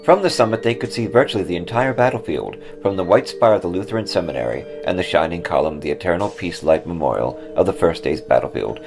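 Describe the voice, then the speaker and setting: A man narrates a ghost story in a deep, gravelly voice. His phrasing is measured and theatrical, rising and falling expressively, with faint music behind. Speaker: author reading a ghost story. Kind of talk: dramatic scripted story narration.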